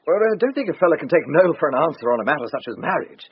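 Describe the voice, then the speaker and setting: A keen young officer who talks fast and all over the place, radio play. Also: male voice, fairly high pitch, very animated. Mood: pleading. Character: eager young army captain, persistent suitor. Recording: dull broadcast audio, faint hiss.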